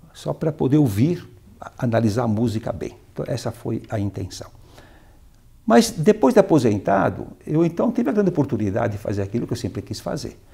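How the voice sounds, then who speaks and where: With a dark, mellow tone and very wide pitch swings, a man speaks somewhat breathily at a fairly quick pace. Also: medium pitch for a man. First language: Italian (speaking Portuguese). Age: 70s. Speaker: retired mining engineer and literature scholar. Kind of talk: TV interview. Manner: halting, with fillers and restarts.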